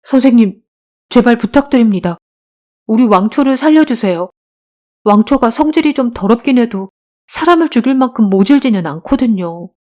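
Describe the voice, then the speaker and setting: A woman's voice: medium pitch, lively intonation, normal speed, mellow, close to an everyday voice. A woman voicing a bold, scrappy twelve-year-old beggar boy who talks earnestly and pleads in an audiobook drama. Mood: pleading.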